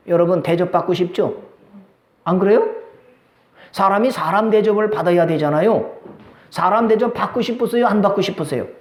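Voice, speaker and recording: A middle-aged male pastor preaches a sermon in call-and-response style, often asking the congregation questions and waiting for their replies. His voice is high-pitched with a roomy sound.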